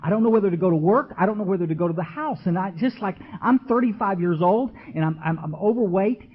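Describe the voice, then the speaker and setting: A Texan man delivers an emotional recovery talk from a podium, addressing the crowd directly in a folksy way. His voice sits high and moves at a quick pace. The recording is dull, lo-fi archival tape.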